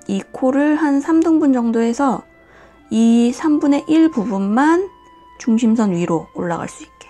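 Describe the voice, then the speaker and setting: A woman hosting a nail art and drawing tutorial, talking calmly step by step and often dropping to a whisper. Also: a little high. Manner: calm, slow, often drops to a whisper. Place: indoors at a desk, hands on camera.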